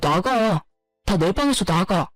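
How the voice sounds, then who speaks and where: A man's voice: sits high, expressive, takes it slowly, fairly bright tone, no echo, faint music behind, heavily acted. A man voicing an irritable young husband obsessed with gaming, whiny and defensive as he snaps back. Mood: defiant. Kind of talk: narrated story dialogue.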